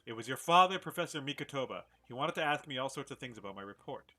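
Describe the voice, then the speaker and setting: A polite, formal young gentleman recounts his ordeal in a put-on English accent, as a gamer reads the dialogue aloud. The tone is bright and clear, and the diction stays proper throughout. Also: mid-range voice, expressive, quick pace. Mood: earnest. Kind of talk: reading game dialogue aloud.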